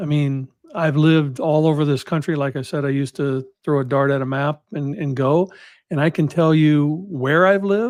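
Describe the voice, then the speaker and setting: An American accent from a man with an unremarkable speaking voice, fairly high in pitch, at a moderate pace with ordinary pitch variation. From US Midwest, Minneapolis and Iowa. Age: 60s. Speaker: guest sharing life story. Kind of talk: testimony.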